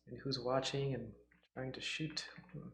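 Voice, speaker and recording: A man's voice: mid-range voice, fairly even intonation, a little slow, gravelly, a bit bright, a little hiss or hum. A man hosting a live stream, giving casual, musing reactions with murmured interjections. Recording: roomy, echoing voice recording.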